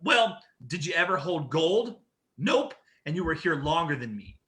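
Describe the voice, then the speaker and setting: A man's voice: on the high side, sing-song, moderate pace, fairly bright tone. A man playing a brash, boastful old war-veteran wrestler in a staged reading of a trash-talk promo. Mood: taunting, boastful. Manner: boastful, taunting.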